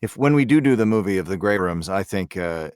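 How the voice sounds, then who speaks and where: A man's voice: deep voice, lively intonation, a little fast, darkish tone, smooth, dry recording, clean studio sound. A man, a voice actor, chatting casually in a hesitant, meandering way. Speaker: voice actor on a discussion panel. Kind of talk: casual chat.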